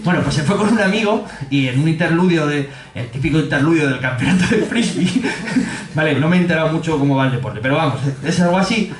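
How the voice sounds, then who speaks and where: High-voiced Spanish man telling jokey stories. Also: lively intonation, fast talker, roomy sound. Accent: Spanish from Spain. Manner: jokey, laughs often, acts out quotes in a high voice. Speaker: speaker giving a public talk. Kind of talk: humorous storytelling talk. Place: pub with an audience.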